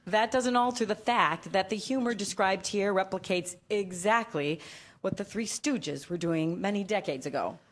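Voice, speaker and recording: A woman's voice: mid-range voice, normal speed, lightly acted. A woman playing a prim, pedantic scholar of Greek culture in a staged comedy reading, speaking formally and precisely. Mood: matter-of-fact.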